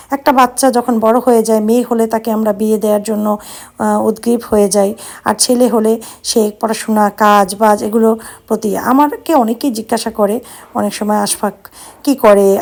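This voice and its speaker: Middle-aged woman, somewhat high voice, soft and subdued, sad and tired, casual vlog narration. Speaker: vlogger.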